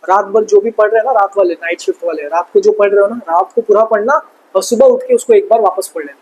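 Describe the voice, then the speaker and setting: A young man with a high, husky voice gives exam revision tips to students. He talks in a fatherly, encouraging way and often goes back over the same advice. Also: quick pace, a little mellow, low-quality recording. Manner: fatherly, calls viewers "beta", repeats advice. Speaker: study tips presenter. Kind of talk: motivational study advice talk.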